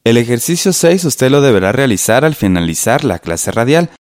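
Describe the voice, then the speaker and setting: A man teaching a radio lesson in a slow, patient way, spelling out syllables. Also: mid-range voice, expressive, darkish tone, no room sound, studio quality.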